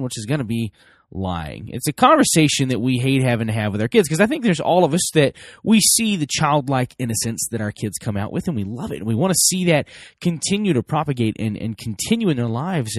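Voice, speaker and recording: A man's voice: medium pitch, dry recording, clean studio sound. A man hosting a solo parenting podcast, sounding a little stuffy from a cold, talking casually with frequent fillers. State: stuffy nose. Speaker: podcast host.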